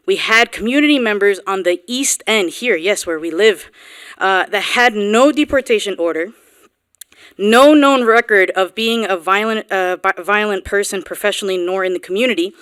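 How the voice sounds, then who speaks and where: Earnest young woman with a smooth voice. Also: mid-range voice, fairly bright tone, dry recording. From Guatemala, raised on Long Island's East End. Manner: earnest, informal, halting with restarts. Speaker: local resident speaking at public comment. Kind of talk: public comment at a town board meeting. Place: town hall meeting room.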